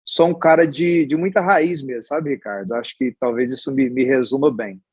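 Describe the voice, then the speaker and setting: Husky Goiás-accented man telling stories. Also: medium pitch, normal speed, a little mellow, dry recording. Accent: Goiás Brazilian Portuguese. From Goiás, Brazil. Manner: chatty and storytelling, with many restarts and tag questions. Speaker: guest, hospital executive. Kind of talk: casual interview conversation.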